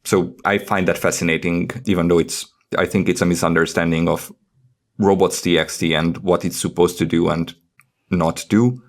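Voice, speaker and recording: A man's voice: deep voice, steady tone, normal speed. A man co-hosting a podcast, giving casual technical explanations in conversation. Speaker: podcast co-host.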